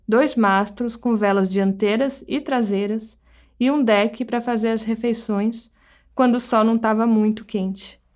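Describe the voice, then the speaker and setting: Brazilian woman podcast host, scripted narration, measured storytelling, voice a touch high. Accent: Brazilian Portuguese.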